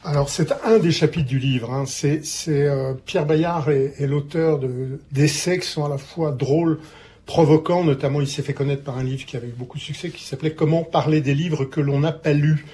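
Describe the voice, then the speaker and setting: A man presenting a book on the radio, explaining calmly with fillers. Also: on the high side, moderate pace. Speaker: book commentator.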